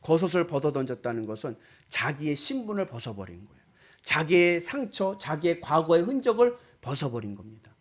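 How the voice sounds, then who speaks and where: Animated male preacher, high-pitched voice. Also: a little fast. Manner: emphatic, exhorting, often posing questions to listeners. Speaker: pastor, preacher. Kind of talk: sermon with storytelling and direct questions to congregation.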